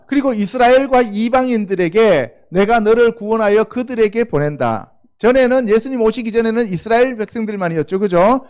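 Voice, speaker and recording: A man's voice: high voice, darkish tone, smooth. A middle-aged male pastor preaching a sermon, often asking the congregation questions and then answering them himself. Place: church.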